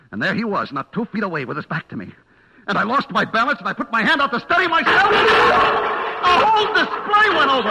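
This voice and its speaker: A man's voice: medium pitch, a little hiss or hum, exaggerated voice, poor audio. An actor playing a terrified, guilty man on the run, telling his story in a breathless, dramatic old radio suspense style. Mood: hushed dread, then panicked, frantic. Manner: breathless, dramatic, swinging from hushed dread to frantic cries. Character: terrified, guilty man hunted by a vengeful butcher. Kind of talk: 1940s-50s radio suspense acting, first-person narration. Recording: old-time radio broadcast with music behind. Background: dramatic music.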